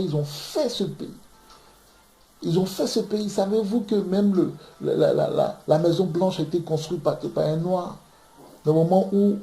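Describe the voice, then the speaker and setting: A man's voice: sits high, dark tone. A man from Ivory Coast preaching on scripture in an emphatic way, often repeating words as he searches for them. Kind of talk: impassioned bible teaching. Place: room in London. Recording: echoey room.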